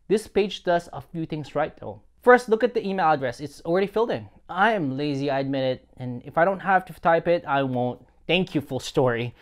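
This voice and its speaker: A man hosting a product onboarding review, narrating from a script with wry jokes and small chuckles. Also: on the high side. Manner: wry, joking, chuckles at own lines. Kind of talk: scripted narration with playful asides.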